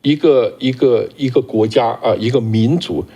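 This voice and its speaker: A man co-hosting a casual political talk show, speaking in an animated way and often repeating words as he starts a sentence. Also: mid-range voice, normal speed.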